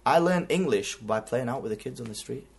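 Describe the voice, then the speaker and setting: A young man in his twenties, born in Pakistan with Urdu as his first language, telling a story in an animated, slangy way on a podcast. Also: medium pitch, brisk, creaky, husky. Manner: animated slangy storytelling, heavy use of "like" and "bro". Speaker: podcast host. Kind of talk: casual chat.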